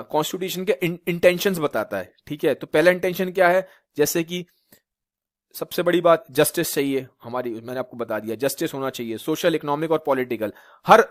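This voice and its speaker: A man from Uttar Pradesh gives a classroom lecture in a slightly high voice. He keeps asking rhetorical questions and checks with his students as he explains. The sound is dry and close, with no room echo. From Uttar Pradesh, India. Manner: repetitive rhetorical questions, frequent "theek hai" checks. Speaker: teacher. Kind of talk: classroom lecture in Hindi mixed with English.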